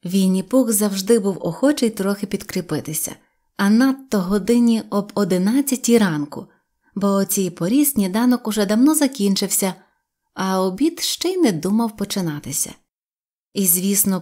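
A woman's voice: mid-range voice, lively intonation, moderate pace, warm tone. Woman reading a fairy tale aloud. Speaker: audiobook narrator.

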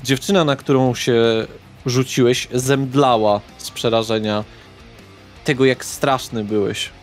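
Male game master, very slow delivery, deliberate, dramatic pauses, horror roleplay narration, faint music. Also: mid-range voice, steady tone. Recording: background guitar music.

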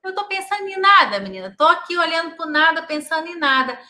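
A woman's voice: extremely high pitch, animated, fast talker, sharp tone, voice pushed up, full character voice. Brief: a vague elderly man with dementia, drifting replies, as a woman puts him on. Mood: absent.

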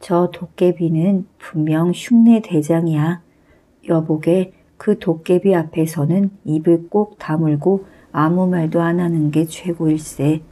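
A woman's voice: on the low side, fairly even intonation, unhurried, dark tone. Woman doing a stern village man. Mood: stern, confiding. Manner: old-fashioned advising speech, whispering. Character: village man, calm advising elder neighbor.

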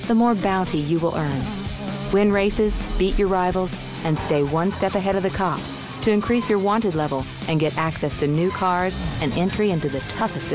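A woman voicing a calm female dispatcher who gives even, matter-of-fact race briefings in a game. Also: fairly low pitch, close to an everyday voice. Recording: voice over clear background music.

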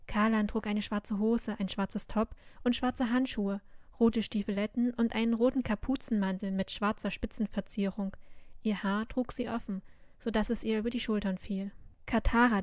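A woman reading a fantasy novel aloud, telling it in an even, measured way. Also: mid-range voice, no room sound, studio quality. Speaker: reader of a web novel.

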